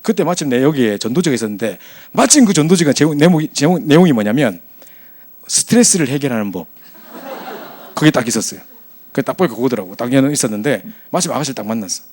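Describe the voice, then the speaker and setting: A man preaching to young adults as their pastor, telling a story in a chatty, animated way. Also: mid-range voice, quick pace.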